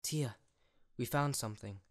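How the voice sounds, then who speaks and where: A man's voice: mid-range voice, measured pace, close to an everyday voice. A man voicing a worried pony princess who brings bad news in a tentative, sombre manner in a story. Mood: urgent.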